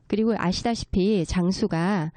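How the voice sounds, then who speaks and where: A woman's voice: medium pitch, unhurried, mellow, dry recording. A woman speaking as a guest expert, explaining local folk culture politely and step by step. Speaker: guest expert, children's story writer.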